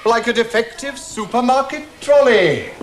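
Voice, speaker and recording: An actor playing a pompous, sarcastic, theatrically weary form tutor in a British television drama, speaking in elaborately wordy sentences. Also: male voice, extremely high pitch, lively intonation, normal speed. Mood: withering sarcasm. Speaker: actor in a school drama series.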